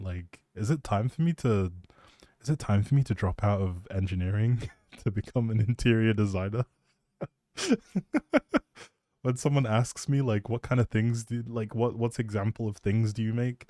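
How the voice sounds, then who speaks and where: A man's voice: on the low side, a little slow, dark tone, no room sound, clean studio sound. A young man rambling casually on a game livestream, playful and jokey as he chats back to viewers. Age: young adult. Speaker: live streamer and audio creator.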